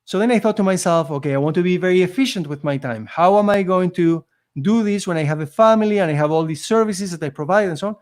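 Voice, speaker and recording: A man's voice: high-pitched, fast talker, a little mellow. Earnest man with a foreign accent. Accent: non-native accent in English. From immigrant living in Canada. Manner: earnest, emphatic, motivational. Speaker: podcast guest. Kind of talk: conversational storytelling.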